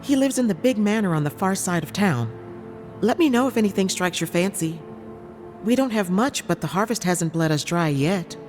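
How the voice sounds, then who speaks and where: A woman's voice: medium pitch, expressive, normal speed, darkish tone, faint music behind, lightly acted. A woman playing a weary but hospitable market trader in a fantasy video game, plainspoken and conversational. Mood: wary, resigned. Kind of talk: video game character acting.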